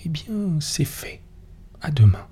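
A man in a whispered role-play, voicing a tender peasant wife who pleads softly with her husband. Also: on the high side, very animated, slow pace, a little hiss or hum, pitched above the performer's own voice. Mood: coaxing. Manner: soft whispered reading.

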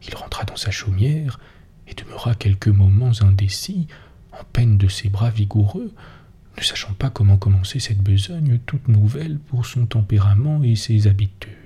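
A man in a whispered role-play, softly narrating an old folk tale. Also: lowish voice, moderate pace, slightly rough. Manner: soft whispered storytelling. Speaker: storyteller.

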